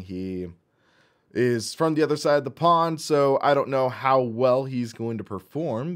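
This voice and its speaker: A man with a hoarse voice casually narrating a sim racing live stream, thinking aloud as he goes. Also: mid-range voice. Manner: chatty, thinks aloud while clicking menus.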